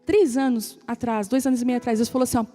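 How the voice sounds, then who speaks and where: Warm-toned, slightly high woman preacher; heartfelt, chatty sermon delivery over faint music. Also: steady tone, fast talker. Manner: emotional, conversational preaching, talks straight to the audience. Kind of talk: sermon to a women's gathering.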